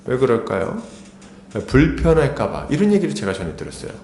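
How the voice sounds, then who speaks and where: A gravelly, darkish-toned middle-aged pastor preaches briskly in an echoey church sanctuary, his pitch swinging hugely. Conversational and heavy on rhetorical questions, he grows urgent and raises his pitch.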